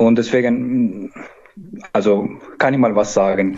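At a fairly slow pace, a man speaks in an Azerbaijani accent with fairly even intonation. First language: Azerbaijani (speaking German). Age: 30s. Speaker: social worker. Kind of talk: interview. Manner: halting.

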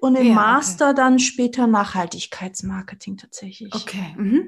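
At a moderate pace and with lively intonation, the speaker talks in a slight Swabian accent. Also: woman. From Germany, near Stuttgart (Swabia), Portuguese parents. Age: 30s. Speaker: women's coach. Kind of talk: interview.

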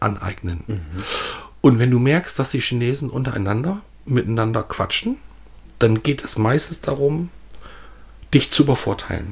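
At a moderate pace, a man speaks with a medium pitch, lively intonation and a somewhat breathy quality. Long, frequent pauses break up his speech. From northern Germany, Bremerhaven. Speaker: business owner. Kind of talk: interview.

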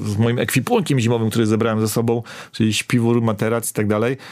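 Over noticeable background noise, a man at medium pitch speaks with fairly even intonation. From Poland, Warmia. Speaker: long-distance hiker and video creator. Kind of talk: interview.

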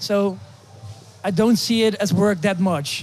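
A Dutch accent at a fairly slow pace, with ordinary pitch variation. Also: man. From Netherlands. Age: 20s. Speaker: DJ. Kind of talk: interview. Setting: festival.

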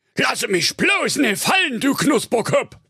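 A man performs a put-on character voice at an extremely high pitch. His pitch swings very widely. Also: moderate pace. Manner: fearful, anxious.

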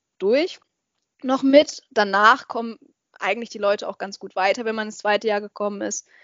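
This woman's voice sits fairly high, with fairly even intonation. She speaks at a moderate pace. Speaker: animal management graduate, dog trainer. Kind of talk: casual interview.

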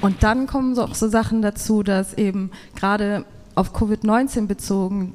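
A plain, everyday voice from a woman, medium in pitch, fairly slow and fairly even in intonation. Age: 20s. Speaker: medical student and activist. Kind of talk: panel discussion.

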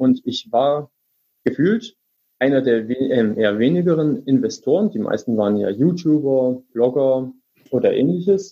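At a fairly slow pace, a man speaks at medium pitch with very wide pitch swings. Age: 20s. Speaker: private investor, former construction worker. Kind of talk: casual chat. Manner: hesitant, many filler sounds.

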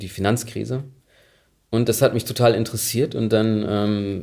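This man has a dark, mellow tone and a fairly low pitch, speaking at a moderate pace with fairly even intonation. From northern Germany, Oldenburg. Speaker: actor and voice actor. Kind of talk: casual chat.

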